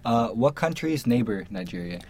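A man asking informal questions as an interviewer in a relaxed chat. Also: medium pitch, moderate pace, husky. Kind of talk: casual questioning.

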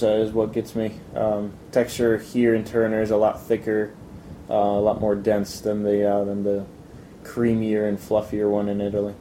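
A young man answering interview questions in a casual, halting way, with many fillers and restarts. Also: mid-range voice, mellow, a little hiss or hum, low-quality recording.

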